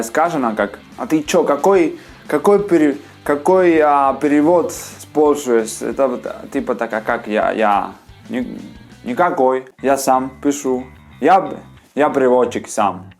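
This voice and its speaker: A young man speaking Russian with a foreign accent, chatting casually to his viewers in a video blog, halting often and restarting words. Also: mid-range voice. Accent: foreign, non-native Russian. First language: not Russian. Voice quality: halting, many restarts and fillers. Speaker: vlogger. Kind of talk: casual chat to camera.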